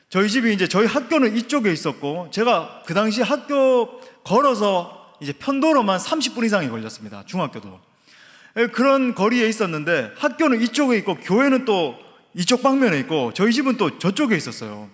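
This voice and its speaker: With lively intonation, a man talks in a high voice. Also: moderate pace. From Seoul. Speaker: pastor. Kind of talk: sermon. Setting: church. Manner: animated.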